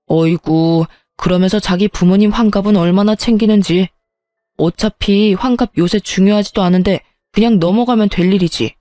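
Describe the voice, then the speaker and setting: A woman's voice: medium pitch, dark tone, dry recording, natural voice. A woman voicing a smug, self-righteous husband in his thirties who talks down to his wife, as she reads a story aloud. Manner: dismissive, belittling.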